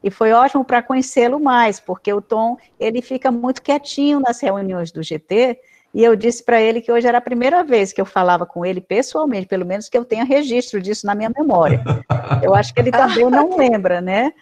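A woman's voice: a little high, a little fast, darkish tone. Chatty woman moderating a lecture.

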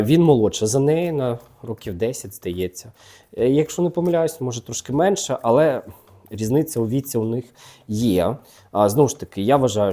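This gossip-channel host has a mellow, mid-range voice. He lays out tarot cards and keeps up a chatty, teasing patter, speaking straight to the famous people he's discussing.

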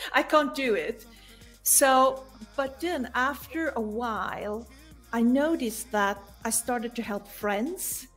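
A woman's voice: a little high, slow, fairly bright tone, soft background music. A middle-aged woman from Sweden with a Swedish accent, telling her story conversationally as an interview guest on a video call. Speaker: guest, coach. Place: home room indoors.

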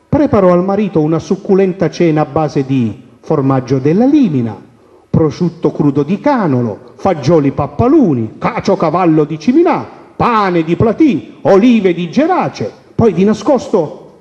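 Animated man telling folk tales. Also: on the high side. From Calabria. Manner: animated, playful. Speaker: storyteller. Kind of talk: folk tale storytelling on radio. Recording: dull radio recording with long reverb.

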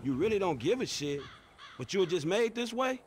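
A man's voice: high voice, very animated, a little fast. An actor playing a streetwise, confrontational young man from the hood in a video game, slangy, sweary and incredulous. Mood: casual banter. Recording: loud noise behind the voice.

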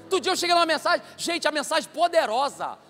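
A male pastor, preaching a loud, joking, animated sermon in a church. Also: extremely high pitch, fast talker. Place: church sanctuary. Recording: reverberant church hall with faint music.

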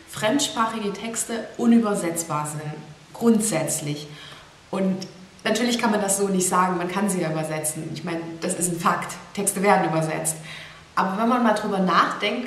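A young woman sits at her desk and talks straight into a camera in front of her, reflective and a little rambling as she works through her thoughts. Her voice rings in a small, echoey room, with a faint hiss running underneath. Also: medium pitch. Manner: thoughtful, rambling, gestures a lot. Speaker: blogger. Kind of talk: casual talking-head vlog. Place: small indoor room with plain wall.

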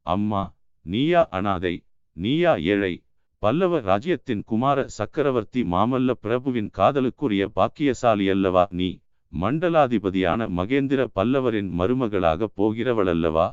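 A man's voice: fairly low pitch, animated, slow pace, smooth, dry recording, highs cut off. Sly menacing monk, read by a man. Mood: mock surprise. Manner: mocking, then grave and commanding.

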